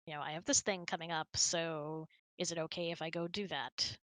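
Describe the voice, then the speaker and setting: A woman's voice: sits low, steady tone, a little fast, fairly bright tone, dry recording. A woman host chatting casually and candidly in an informal, emphatic way. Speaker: host of a relationship Q&A hangout. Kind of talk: casual chat.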